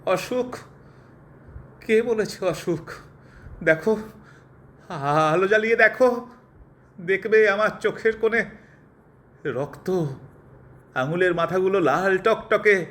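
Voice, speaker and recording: A man's voice: high voice, slow pace, long pauses, a bit bright. A man playing a feverish, jealous husband in an audio drama, with a pleading, theatrical delivery. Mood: insistent pleading.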